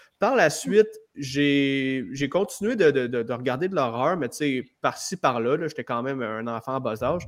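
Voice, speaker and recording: A man's normal speaking voice, fairly high in pitch, at a moderate pace, on a very clean recording with a silent background. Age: 30s. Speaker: horror podcaster. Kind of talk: casual chat.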